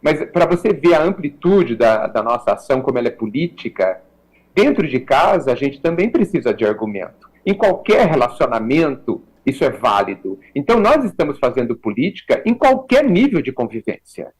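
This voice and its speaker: A Brazilian man talking as a guest on a radio talk show, reflective and measured, often checking in with a tag question. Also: mid-range voice, very animated, slightly rough, low-quality recording. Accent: Brazilian Portuguese. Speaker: guest commentator.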